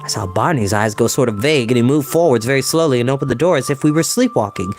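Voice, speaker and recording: A man's voice: medium pitch, animated, fast, faint music behind, lightly acted. A man voicing an earnest schoolboy in a fantasy audiobook, recounting events in an informal, run-on manner. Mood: earnest, shaken.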